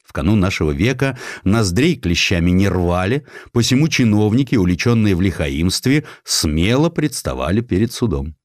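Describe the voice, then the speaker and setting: A man narrating a historical audiobook in an expressive, theatrical and ironic manner. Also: on the low side, moderate pace, hardly any pauses, no room sound, studio quality. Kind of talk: expressive scripted literary narration of historical satire.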